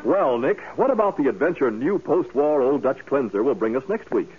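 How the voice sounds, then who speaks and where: A man's voice: medium pitch, animated, moderate pace, breathy edge, faint music behind. A man announcing and narrating dramatically in the scripted style of 1940s radio. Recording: very noisy, muffled 1940s radio recording.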